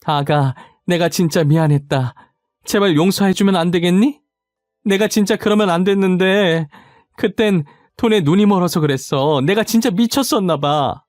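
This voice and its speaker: Guy doing a whiny begging mother-in-law, pitched up, faint music behind. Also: normal speed, darkish tone, dry recording, studio quality, lightly acted. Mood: pleading. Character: pleading greedy older woman, ex-mother-in-law.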